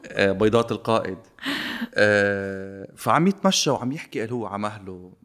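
A man with a Lebanese Arabic accent, talking politics in a casual, sarcastic, animated way and slipping into English phrases. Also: on the low side, brisk. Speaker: guest commentator.

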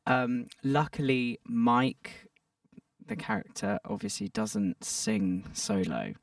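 Gravelly guy chatting on a podcast, pitch bouncing all over, kinda far from the mic. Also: huge pitch swings, takes it slowly, dry recording, clean studio sound. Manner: chatty, laughs often, fluctuating pitch. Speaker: guest actor. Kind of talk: casual podcast chat.

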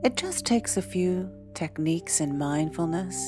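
Woman doing a guided meditation, really slow n soothing, lots of pauses, music behind her. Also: fairly low pitch, animated. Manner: soothing, deliberate, long pauses between short phrases. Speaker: meditation guide, podcast host. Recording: background music. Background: soft instrumental music.

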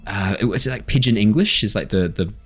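Male game master, low register, halting explanatory delivery for tabletop rules and narration, light music bed. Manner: halting, explanatory, repeats himself.

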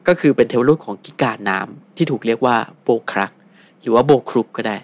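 A man telling a story casually as a guest, relaxed, with many fillers. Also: medium pitch, very fast.

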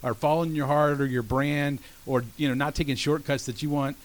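A man's voice: fairly high pitch, steady tone. A middle-aged man from Georgia, hosting a radio talk show in a chummy, joking manner. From Georgia, USA. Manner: chummy, joking, quick to banter. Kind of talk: casual radio interview. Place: radio studio.

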